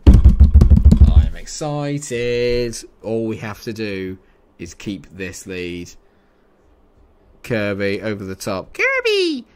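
Nervy man streaming, low voice, slow talk. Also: noisy background. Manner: nervy and excitable, yelling at the match then muttering. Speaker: game streamer. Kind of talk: live reactions while playing a football management game.

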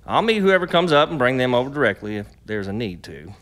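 An actor playing a wary, stubborn, protective riverside stand keeper in a period radio drama, with a terse, dry, folksy manner. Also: male voice, mid-range voice, sing-song, fast talker, over music, close to an everyday voice.

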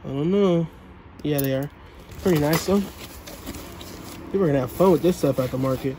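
A young man vlogging as he unpacks boxes in a cluttered storage room, playful and excitable, talking to his viewers on a handheld phone. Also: a little high, a little fast, background noise. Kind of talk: casual unboxing vlog. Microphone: handheld phone camera.

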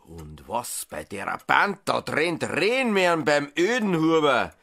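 An actor playing a gruff farmer father with a Bavarian accent, blunt and reproachful, in an audiobook drama. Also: on the high side, sing-song, unhurried, a bit bright, heavily acted. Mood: stern outrage. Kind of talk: dialect audiobook drama acting.

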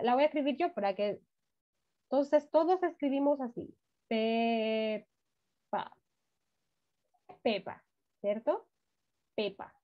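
A woman teaching a first-grade class online with a Chilean Spanish accent, dictating words slowly by syllables and coaxing the children along. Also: fairly high pitch. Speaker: primary school teacher. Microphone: laptop mic on a video call. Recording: dull lo-fi video call audio.

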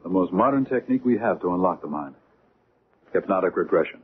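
An earnest doctor fascinated by UFOs in an old radio play. His voice is very low and lively in pitch, conversational in manner. The recording is muffled and noisy. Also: brisk. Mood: earnest, intrigued. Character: open-minded male doctor and UFO researcher, earnest, smooth-talking. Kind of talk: radio drama acting.

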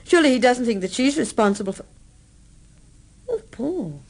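High-voiced, inquisitive British wife. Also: female voice, very animated, normal speed, darkish tone. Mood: intrigued. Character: inquisitive, quick-witted wife of a gentleman detective. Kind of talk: radio drama acting.

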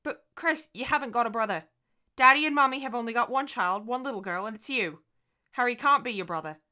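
A woman reader plays a young mother whose nerves are fraying. The voice is bright and forceful, raised in pitch from plain narration. She sounds anxious, tense and pleading, as in a dramatised audiobook. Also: brisk. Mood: coaxing, firm.

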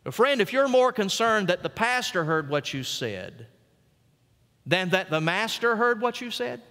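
Male pastor, middle-aged, sermon, high voice, folksy storytelling, long reverb. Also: big pitch swings, bright, forceful tone. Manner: folksy storytelling, emphatic pauses on key words. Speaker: senior pastor. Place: church sanctuary.

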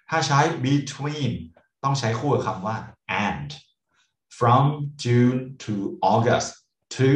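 A man lecturing a class on English, explaining patiently and adding frequent polite particles. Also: mid-range voice. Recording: echoey classroom.

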